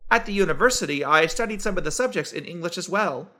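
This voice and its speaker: A man reading scripted everyday conversations for English learners, in a clear, evenly paced textbook delivery. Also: sits high, expressive, fast talker, bright, forceful tone. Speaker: dialogue voice for English practice.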